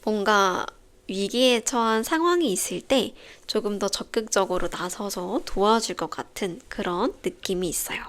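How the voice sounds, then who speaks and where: A young woman hosting a podcast for language learners, explaining in a calm, clear, carefully paced scripted way. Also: mid-range voice, moderate pace. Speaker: Korean teacher podcast host.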